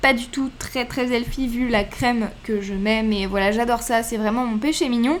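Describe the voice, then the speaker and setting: In an ordinary speaking voice, a woman with a fairly high pitch talks at a moderate pace with fairly even intonation and hardly any pauses. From Lyon, France. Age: 20s. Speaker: beauty vlogger. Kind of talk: casual talk to camera. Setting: voice-over recorded separately. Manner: relaxed, conversational.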